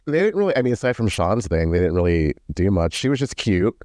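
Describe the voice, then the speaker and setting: A man's voice: deep voice, sing-song, fast, a little mellow, dry recording, studio quality. A man with a cold and a nasal voice, co-hosting a casual, sarcastic chat. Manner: chatty, sarcastic, quotes people in mock voices. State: sick with a stuffy nose. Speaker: podcast co-host.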